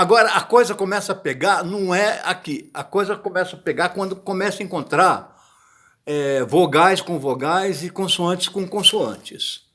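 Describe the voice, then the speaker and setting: A man's voice: high-pitched, fairly bright tone. A man giving a casual video lesson on botanical Latin, chatty and often searching for words. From Brazil. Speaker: botany teacher.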